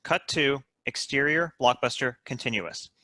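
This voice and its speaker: Bright, dry-recorded male script narrator. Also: mid-range voice, measured pace, no echo. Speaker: narrator reading stage directions. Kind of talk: scripted narration for comedy table read.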